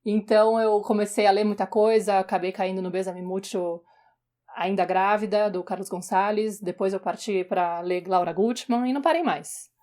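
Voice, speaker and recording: A woman shares her story on a podcast. Her mid-pitched voice is conversational and relaxed, with small restarts here and there. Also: normal speed. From São Paulo, Brazil. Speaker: podcast co-host, journalist. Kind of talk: casual personal storytelling.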